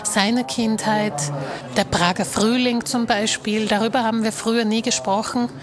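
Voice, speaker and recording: A woman author born in Slovakia, native Slovak speaker, answering interview questions in a measured, reflective way. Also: a little high, steady tone, crowd noise.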